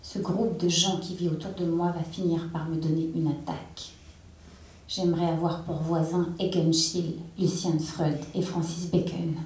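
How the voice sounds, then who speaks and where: A woman reads a literary text aloud in an intense, measured way, her voice low and dark. She is heard from a distance on a theatre stage, and the room gives a strong, ringing echo. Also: flat delivery. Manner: intense, measured dramatic reading. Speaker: reader. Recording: echoey hall, distant mic.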